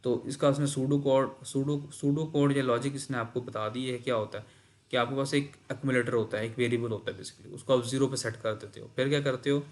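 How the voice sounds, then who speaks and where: A man's voice: mid-range voice, flat delivery, a little fast. A man teaching a programming lesson, reading textbook lines in English and explaining them, repeating the key points.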